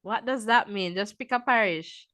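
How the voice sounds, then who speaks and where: A woman's voice: medium pitch, moderate pace, fairly bright tone, no room sound. A Jamaican woman hosting a call-in show, chatting casually in a friendly way with lots of fillers. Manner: friendly, laughs often, hesitant fillers.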